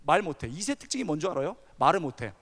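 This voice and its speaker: A male pastor preaching a sermon, telling a story with animated energy and asking the audience questions. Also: a little high, fast, husky. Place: large church hall. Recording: long hall reverb.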